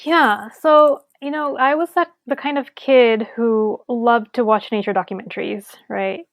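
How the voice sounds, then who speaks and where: A woman's voice: fairly high pitch, steady tone, unhurried, vocal fry, dry recording. A woman in her forties from Sri Lanka, a researcher guest answering interview questions in a chatty way, with many fillers and restarts.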